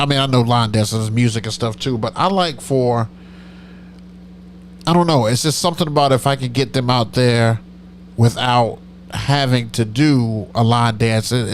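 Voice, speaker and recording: A man's voice: medium pitch, a little hiss or hum. A middle-aged man with a nasal voice, hosting a live stream as a DJ, chatting casually and rambling as he answers comments. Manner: rambling, self-correcting, chatty.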